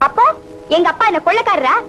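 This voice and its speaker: A woman's voice: very high voice, animated, fast talker, exaggerated voice, rough recording. An actress playing a feisty, mischievous rich young woman who answers back sharply in 1980s film comedy dialogue. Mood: sassy. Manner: sharp-tongued, sassy.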